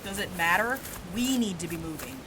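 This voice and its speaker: A woman's voice: lowish voice, very animated, fairly quick. A woman playing a brusque, sarcastic young woman in an audio drama, talking in a blunt, casual way. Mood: urgent. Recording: clear background ambient noise.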